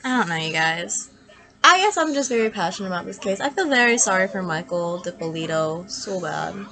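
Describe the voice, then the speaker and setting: A woman with a bright, forceful voice that is stuffed up and nasal from being sick. She talks casually to camera as a true crime host, chatty and blunt with her opinions, as if talking is a little painful. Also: mid-range voice, lively intonation, a little fast. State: sick with congested nasal voice, hurts to talk.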